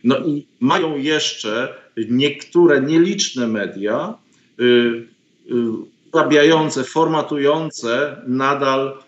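A man's voice: mid-range voice, extremely slow. Middle-aged man, professor guest, hesitant fillers, indignant, echoey room, muffled video call audio. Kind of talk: political interview over video call. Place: home study with bookshelves. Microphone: video call webcam. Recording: roomy, dull lo-fi call audio.

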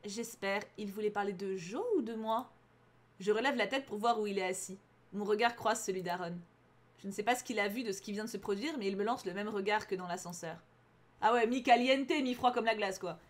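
Animated young woman reading a visual novel. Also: medium pitch, a little fast. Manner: animated, exclaims and shouts in outrage. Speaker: let's player.

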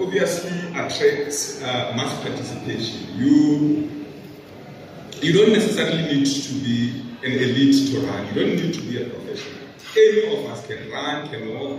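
A man's voice: mid-range voice, noisy background. Man speaking in an echoey hall. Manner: halting, many fillers and repeated words. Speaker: event organizer presenting at a launch. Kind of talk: public presentation speech. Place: large indoor mall venue with stage. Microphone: podium microphone. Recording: echoey hall recorded from far off.

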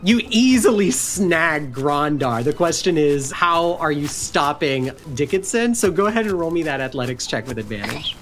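A woman's voice: low-pitched, animated, normal speed, hardly any pauses, slight background noise. A woman narrating a tabletop role-playing game as game master.

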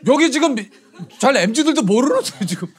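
A man hosting a casual group chat, steering the talk with quick remarks. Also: very high-pitched, very animated. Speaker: host.

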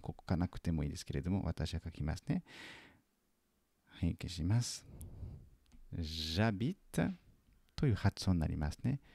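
A man teaching French in a lesson video, patiently correcting a student's homework and repeating French phrases slowly and carefully. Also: sits low, expressive, vocal fry, warm tone, no room sound.

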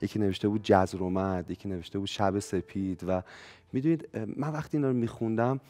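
A man appearing as a guest on a television talk show, talking quickly and eagerly. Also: on the low side, warm tone. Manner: fast, eager talker. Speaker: guest psychologist.

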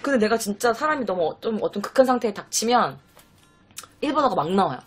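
A woman talks in a casual vlog as a Japanese-language tutor. She rattles on quickly, with a breathy, husky edge. Her pitch leaps around as she lectures her viewers directly, dropping to soft asides and then jumping to loud bursts. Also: expressive, soft background music.

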